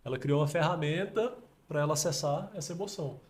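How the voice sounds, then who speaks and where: A Brazilian man hosting a casual podcast, explaining with emphatic metaphors in an animated way. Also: a little high, fast talker. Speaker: podcast host.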